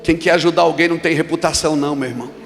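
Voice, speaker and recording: A man preaching at a church conference, telling a story and then shouting emphatic declarations to the congregation. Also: a little high, steady tone, rapid-fire, vocal fry. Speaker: pastor. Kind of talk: sermon with storytelling. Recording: long reverb of a large hall with music.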